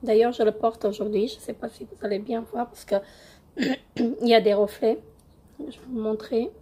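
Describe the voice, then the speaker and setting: A young woman with a cold-roughened voice, hesitantly reviewing beauty products in a casual home vlog with many fillers. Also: fairly high pitch, steady tone, moderate pace, warm tone. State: hoarse from a cold. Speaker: beauty vlogger.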